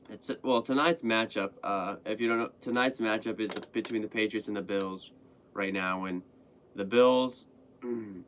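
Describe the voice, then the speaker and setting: Hoarse young man rambling about football. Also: lowish voice, fairly bright tone. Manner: loose, rambling, with many fillers and restarts. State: hoarse after illness. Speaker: podcast host. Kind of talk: casual sports commentary monologue.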